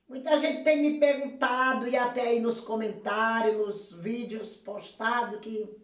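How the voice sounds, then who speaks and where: A hoarse woman pastor, fairly high-pitched, speaks slowly and with emphasis, often stopping to give praise. Her voice is recorded from some distance in an echoey room. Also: fairly even intonation. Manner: slow, emphatic preaching with frequent praise interjections. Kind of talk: sermon-style video message.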